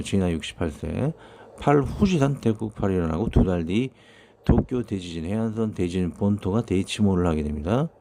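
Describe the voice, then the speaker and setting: Pastor in his fifties, low and gravelly, talks through his sermon casually. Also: dark tone, a little hiss or hum. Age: 50s. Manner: conversational, thinking aloud with many fillers. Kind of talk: sermon reading and commenting on prophecies.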